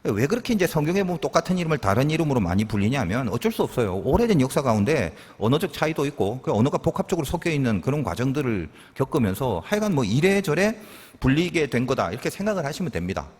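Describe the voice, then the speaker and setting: A male pastor delivers a sermon in a relaxed, teaching way, posing questions to the congregation and answering them himself. His voice is husky and swings widely in pitch. The sound carries the long reverb of a church hall. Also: quick pace. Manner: conversational teaching with rhetorical questions and asides.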